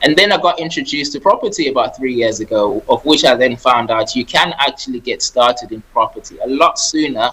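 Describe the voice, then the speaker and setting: A married Zimbabwean man, a property investor who used to be an engineer, chats as a friendly radio show guest, laughing, talkative, and repeating words. His medium-pitched voice is animated, pushed, and bright with a breathy edge, running a little fast with hardly any pauses. The audio quality is poor.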